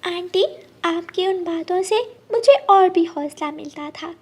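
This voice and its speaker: A woman's voice: very high voice, a little slow, voice pushed up. A woman voicing an eager, earnest young girl bird in a cartoon story.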